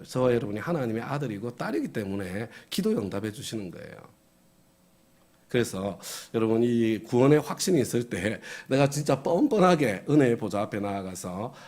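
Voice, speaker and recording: A man's voice: medium pitch, sing-song, moderate pace, darkish tone. A middle-aged man preaching a sermon as pastor, conversational, often asking the congregation questions and chuckling.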